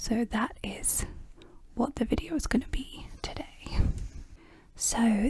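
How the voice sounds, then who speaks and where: Soft-spoken, this voice moves at a very slow pace. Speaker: ASMR creator. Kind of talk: soft-spoken ASMR video.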